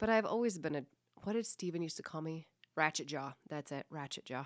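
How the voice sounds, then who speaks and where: On a very clean recording with a silent background and a dry, close sound with no echo, a woman speaks at a moderate pace in an animated, passionate tone with very wide pitch swings. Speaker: podcast host. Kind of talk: solo casual podcast monologue. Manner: animated, chatty, passionate; talks a lot, casual.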